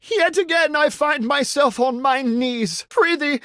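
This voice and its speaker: Game casting: a flamboyant, pompous knight, high-voiced and florid, recorded close and dry. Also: measured pace, fairly bright tone, no room sound. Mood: grovelling, pleading. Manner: pompous, florid, exaggeratedly courtly. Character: pompous, foppish knight impostor, flamboyant medieval soldier. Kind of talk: theatrical video game voice lines in mock-archaic English.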